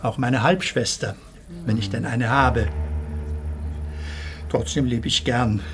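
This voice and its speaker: A man's voice: medium pitch, fairly even intonation, slow pace, lightly acted. An actor playing a proud retired plasterer in his seventies in a radio play, telling his family's war story earnestly. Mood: somber. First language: Italian.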